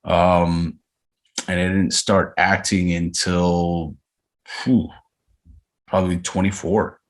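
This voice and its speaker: Podcast guest, man in his 30s from Arizona, very low voice, thoughtful and hesitant delivery. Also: level tone. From Arizona, USA. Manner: reflective, unhurried, frequent hesitations. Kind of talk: casual interview chat.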